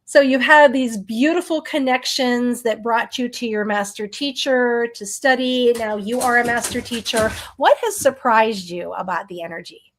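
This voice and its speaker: A woman's voice: on the high side, normal speed, slight background noise. A woman hosting a casual podcast interview, affirming her guest and adding "you know" and "right?" often. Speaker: podcast host.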